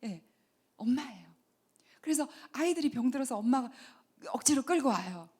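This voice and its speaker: A middle-aged woman giving a Christian lecture on healing, talking earnestly and dropping to soft whispers for emphasis. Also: fairly high pitch. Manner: earnest, acts out mothers and children in quoted asides. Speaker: counseling center director giving a lecture.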